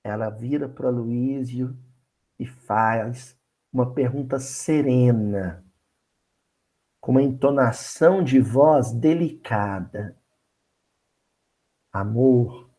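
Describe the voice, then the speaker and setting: A man with a Minas Gerais Brazilian accent giving an expressive Bible study talk. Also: mid-range voice. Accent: Minas Gerais Brazilian Portuguese. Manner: animated and expressive, slow and emphatic. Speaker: spiritist Bible study speaker.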